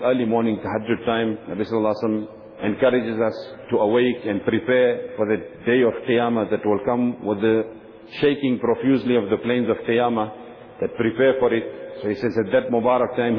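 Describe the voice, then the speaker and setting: A man giving an earnest religious talk, telling stories in a steady, devoted way and using many Arabic honorifics. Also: medium pitch. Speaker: Islamic speaker. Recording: dull lo-fi recording with faint noise.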